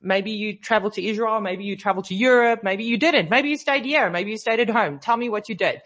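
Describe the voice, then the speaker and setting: A woman's voice: medium pitch, a little fast, a bit bright. A woman hosting a radio show, chatting casually and a bit sleepy, her voice slightly scratchy from a cold. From South Africa. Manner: chatty, sleepy, laughs easily. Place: radio studio.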